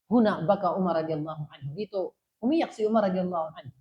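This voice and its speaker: A woman teaching a religious lesson. She recites Arabic phrases and then explains them in a relaxed, conversational way, checking in with her listeners. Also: fairly low pitch, fast, lo-fi sound. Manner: asks listeners rhetorical checks. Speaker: Islamic teacher.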